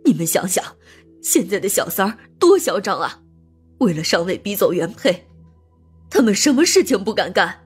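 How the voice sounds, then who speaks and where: A woman playing a bitter, domineering older mother in an audiobook drama, scornful and ranting in a husky voice. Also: medium pitch, sing-song, normal speed, soft background music. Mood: indignant, scornful. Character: bitter, domineering, sharp-tongued older mother of a murdered daughter.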